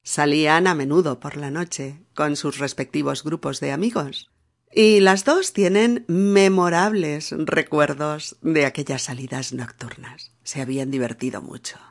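A Spanish woman with a Peninsular accent teaches a language lesson in a deep, unhurried voice. She's patient and checks in with soft "mm?" prompts.

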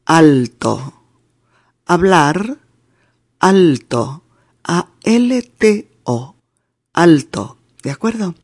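A woman's voice: lowish voice, dry recording, studio quality. A woman with a Spain Spanish accent hosting a teaching podcast, repeating words and spelling them out letter by letter.

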